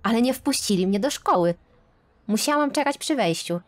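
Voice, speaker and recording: A woman reading a scripted first-person animated story aloud, with expressive, dramatic storytelling. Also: a little high, normal speed. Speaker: narrator. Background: faint background music.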